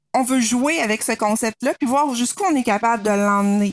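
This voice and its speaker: A woman speaks in an ordinary speaking voice at a moderate pace, her fairly high pitch carried by lively intonation, the sound dry and close with no echo. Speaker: novelist. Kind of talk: casual chat.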